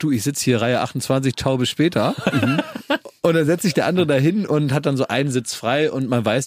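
A man's voice: a little high, husky, dry recording. A man with a slightly raised voice, chatting casually and spinning rambling stories, often laughing mid-sentence. The sound is dry and close, with no room around it. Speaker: podcast co-host. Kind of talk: casual chat, anecdotes.

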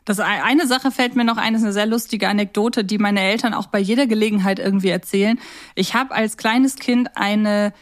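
A woman's voice: medium pitch, fairly even intonation, a little fast. A woman chatting casually as co-host of a fan podcast.

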